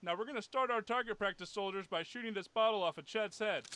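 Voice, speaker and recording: Old-timer sergeant, high bright voice, commanding, fatherly lecturing, cartoon comedy. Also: fast, clean tone. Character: stern old-timer male drill-sergeant soldier, preachy and fatherly. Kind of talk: animated comedy military bark.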